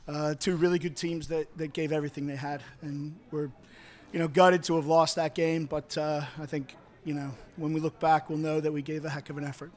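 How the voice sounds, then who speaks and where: A middle-aged man, a college soccer head coach, giving measured, halting remarks at a post-match press conference. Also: fairly high pitch, level tone. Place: indoor press conference room, seated at table. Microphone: handheld-style microphone on table stand.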